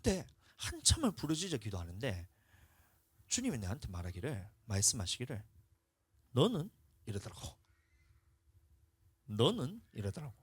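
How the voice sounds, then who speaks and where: A man with a Gyeongsang Korean accent preaching a sermon in a church, telling a testimony and swinging between hushed talk and loud shouts. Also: fairly low pitch, very animated, a little fast, husky, no echo. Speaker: pastor. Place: church sanctuary.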